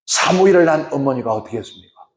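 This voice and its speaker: A man's voice: mid-range voice, lively intonation, fast talker. A male pastor preaching a sermon, often questioning the congregation. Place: church. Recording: echoey church hall.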